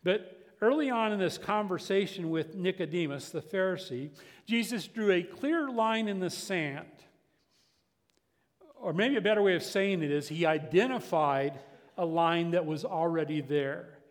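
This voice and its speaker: Pastor preaching in a reverberant hall. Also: male voice, sits high, unhurried. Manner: storytelling, with quoted voices and a soft close for prayer. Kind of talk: sermon. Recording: long reverb of a church hall.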